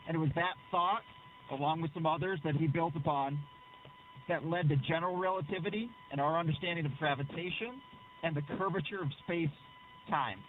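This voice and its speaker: Male astronaut on a narrow, crackly space radio link, clipped radio callouts, slightly high voice. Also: fairly quick. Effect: crackly space-to-ground radio link. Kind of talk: radio exchange with mission control.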